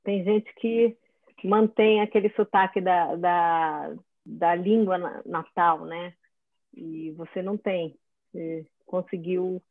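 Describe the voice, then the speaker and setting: A woman's voice: fairly low pitch, steady tone, slow pace, no room sound, phone-quality sound. A woman chatting in a conversation, thinking aloud as she talks.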